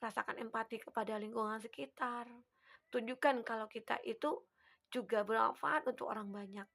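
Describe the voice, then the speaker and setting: A woman giving a collective tarot reading, gently advising and speaking straight to the listener. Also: fairly high pitch, moderate pace, creaky. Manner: acts out the listener's own words. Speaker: tarot reader.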